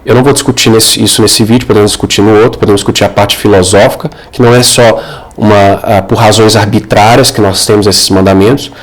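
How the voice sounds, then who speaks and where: A man's voice: on the low side, fairly even intonation, fast talker. A man with a Brazilian accent giving informal religious advice in an earnest, didactic monologue, speaking directly to the listener. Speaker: Catholic advice video creator.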